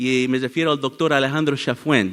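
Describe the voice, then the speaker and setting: A man with a fairly high pitch. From United States, Bolivian parents. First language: English or Spanglish (speaking Spanish). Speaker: military veteran and security speaker. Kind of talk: conference talk. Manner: halting, many fillers and repeats.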